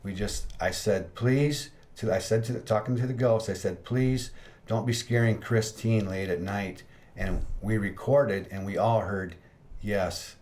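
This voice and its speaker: A man's voice: on the low side, fairly even intonation, a little slow, a little mellow. A man hosting a ghost-hunting podcast, telling investigation stories in casual chat. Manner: storytelling, laughs at his own tales. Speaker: ghost hunter podcast host.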